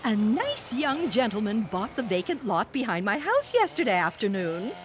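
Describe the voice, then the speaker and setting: A woman's voice: a little high, very animated, moderate pace, a little hiss or hum. A woman voicing a sweet, trusting, scatterbrained little old lady in a cartoon, genteel and cheerfully oblivious, with a put-on elderly voice. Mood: cheerfully admiring. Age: older. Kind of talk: cartoon voice acting.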